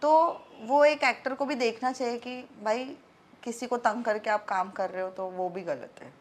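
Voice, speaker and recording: Candid young woman, slightly high voice. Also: moderate pace. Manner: chatty, candid, mixes English into her Hindi. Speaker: actress and guest. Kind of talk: casual interview chat in Hindi and English.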